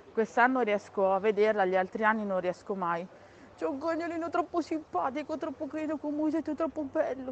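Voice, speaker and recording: Here a woman talks at a fairly quick pace. Her high pitch swings very widely. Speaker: field reporter. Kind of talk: live on-scene report.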